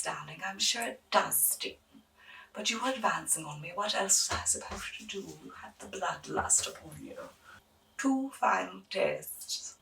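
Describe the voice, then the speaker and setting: Woman playing a slow, whispering eccentric lady doctor. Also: lowish voice, sharp tone, recorded from a distance, slight background noise, full character voice, poor audio. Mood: wary, firm. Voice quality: breathy whisper. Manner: slow, soothing, theatrically genteel, with endearments. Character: eccentric female doctor, doting and gently menacing, examining a monster patient. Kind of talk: whispered ASMR medical roleplay.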